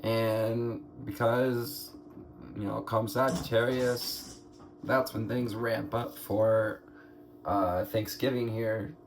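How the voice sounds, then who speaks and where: Male tarot reader, hoarse and gravelly, unhurried, meandering delivery, faint noise underneath. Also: fairly low pitch, level tone. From United States. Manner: slow, meandering, musing aloud with pauses and throat clearing. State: hoarse, scratchy throat. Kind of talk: slow spiritual card reading.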